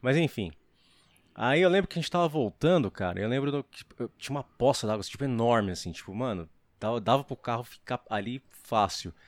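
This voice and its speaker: A man's voice: medium pitch, lively intonation, a little fast, dry recording. A man guesting on a podcast, telling a rambling, slangy story in casual chat.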